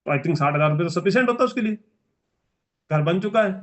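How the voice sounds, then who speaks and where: High-voiced man giving a fired-up pep talk. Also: expressive, quick pace. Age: 40s. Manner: emphatic, repetitive, exhorting. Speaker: business trainer. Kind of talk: motivational training speech.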